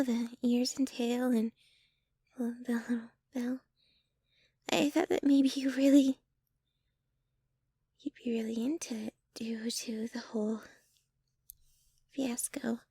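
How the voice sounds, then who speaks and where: A woman acts out a lovestruck, slightly obsessive young girlfriend in an ASMR audio drama. Her voice is high and soft, often nearly whispered, with a shy, giggly delivery. She talks slowly and haltingly, very close and dry on the microphone. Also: no echo. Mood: sheepish, fond. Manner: bashful, giggly, halting, gushing. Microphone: close microphone, dry sound.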